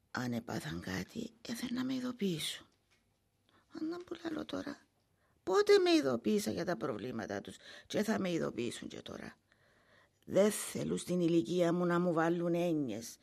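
Creaky, weary old Cypriot Greek mother. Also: fairly low pitch, a little mellow, full character voice. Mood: worried. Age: older. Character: anxious, pious old mother, weary and complaining. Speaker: actress in a drama. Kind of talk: dramatic dialogue and monologue in dialect.

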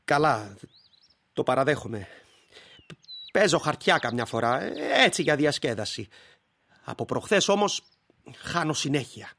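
A man's voice: a little high, very animated, vocal fry, pauses often, a bit bright, dry recording, exaggerated voice. An actor playing an impatient husband who gambles and scolds his wife in curt, exasperated lines. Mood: sheepish. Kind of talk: audio drama acting.

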